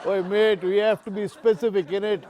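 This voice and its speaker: Man putting on a brash British Punjabi guy, very high voice, mock British Punjabi accent, slangy and cocky. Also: fairly even intonation, a little fast, background noise, lightly acted. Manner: cocky slangy banter with "innit" and "mate". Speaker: comedy interview guest. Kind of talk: sketch comedy.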